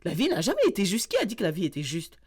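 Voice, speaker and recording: A woman co-hosting a podcast, chatting casually and switching between French and English mid-sentence in an animated way. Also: on the low side, very fast, husky. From Mauritania. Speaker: podcast co-host.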